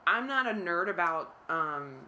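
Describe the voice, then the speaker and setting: A woman's voice: fairly low pitch, animated, measured pace, bright, forceful tone, slight background noise. A woman guest on a podcast, talking casually and hesitantly with many fillers. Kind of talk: casual chat.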